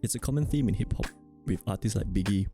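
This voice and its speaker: A man hosting an interview, asking questions and reading scripted voice-over in a brisk, measured way. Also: on the low side, music in the background. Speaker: interviewer and narrator.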